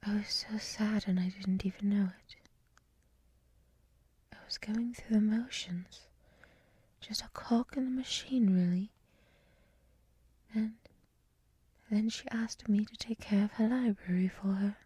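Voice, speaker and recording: A gentle dryad librarian played by a woman whispers in a very breathy, airy voice with a dark, mellow tone. She takes her time, hushed and reflective, in a soothing ASMR roleplay recorded close and dry. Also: mid-range voice, unhurried, long pauses, dry recording. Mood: wistful, confiding. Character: gentle soft-spoken female dryad head librarian. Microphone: close microphone.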